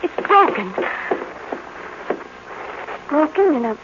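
A woman's voice: high voice, very animated, slow pace, exaggerated voice. An actress playing a solicitous, uneasy neighbor woman in a 1950s radio drama. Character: friendly, uneasy neighbor woman visiting a troubled friend. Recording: muffled, noisy old radio recording.

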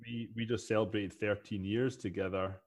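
A man with a Scottish accent talks as a guest on a podcast, his voice sitting fairly low. He is in his thirties and chats freely, often repeating a word before his sentence gets going. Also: fairly even intonation, moderate pace. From Scotland. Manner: chatty, repeats words when starting sentences. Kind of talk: casual interview chat.

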